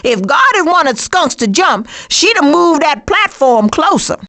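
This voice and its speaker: A woman's voice: high-pitched, big pitch swings, a little slow, bright, forceful tone, heavily acted. A woman playing a sassy, wisecracking, streetwise female cartoon skunk in a video game, with an American accent and sarcastic, slangy delivery. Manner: sarcastic, slangy, punchy one-liners. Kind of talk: video game character voice lines.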